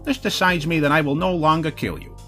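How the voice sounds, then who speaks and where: A man's voice: fairly high pitch, fairly even intonation, brisk, sharp tone, soft background music, pitched above the performer's own voice. A man voicing a blustering, menacing mob boss in a comic story, speaking broken English in a blunt, melodramatic way. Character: menacing, blustering male mob boss, cowardly when cornered.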